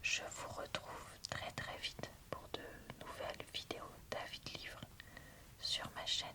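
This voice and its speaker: A woman whispering an ASMR book review in a soft, breathy, informal and slightly hesitant way. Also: a little slow.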